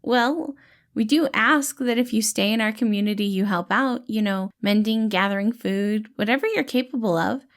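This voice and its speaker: A woman's voice: medium pitch, normal speed, voice pushed up, natural voice. A woman voicing a tiny, kindly, cheerful male healer who talks in an eager, reassuring, fatherly way for a storybook. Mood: upbeat, explaining. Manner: eager, reassuring, gentle, calls people kiddo.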